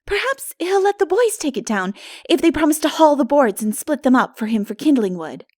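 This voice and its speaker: Woman as a dreamy, high-voiced imaginative girl. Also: fairly quick, no room sound, studio quality. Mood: hopeful. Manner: earnest, lilting, expressive. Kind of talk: dramatic audiobook character reading.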